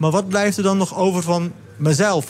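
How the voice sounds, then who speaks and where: A man talks fairly quickly with ordinary pitch variation while noticeable background noise runs underneath. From Netherlands. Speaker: writer. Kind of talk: radio talk show chat.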